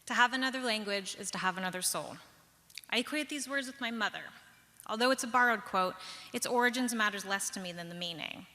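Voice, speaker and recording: A young woman from the Pacific Northwest telling a personal story on stage, measured and reflective, with lilting pauses. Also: medium pitch, pushed and bright. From Pacific Northwest, USA. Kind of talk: personal story told live. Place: large hall, live stage. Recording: long hall reverb.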